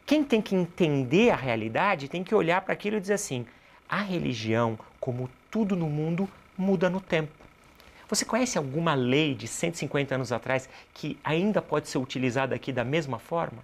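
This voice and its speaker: A man's voice: on the high side, lively intonation, fairly quick. A Brazilian man speaking as an interview guest, explaining ideas in a didactic way and answering his own rhetorical questions. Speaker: interview guest, cultural producer and activist.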